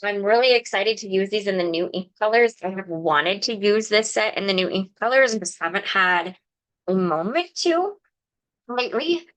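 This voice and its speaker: Woman, craft livestream host, mid-pitched, chatty, explaining as she works, slightly sniffly. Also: animated, moderate pace, a bit bright, poor audio. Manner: chatty, explanatory, talks to viewers by name. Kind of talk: casual live craft demonstration.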